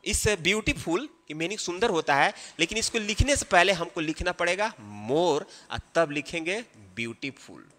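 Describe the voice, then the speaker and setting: With lively intonation and a high, bright voice that ranges widely in pitch, a male teacher explains grammar slowly, one step at a time. He repeatedly pauses to confirm his students understand. The audio has a long, ringing reverb.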